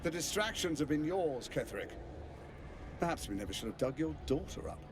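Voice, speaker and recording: An actor playing a suave, sardonic scheming tyrant in a video game, with polished, goading delivery. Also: male voice, a little high, very animated, brisk. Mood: mocking. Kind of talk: video game villain acting. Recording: loud background noise.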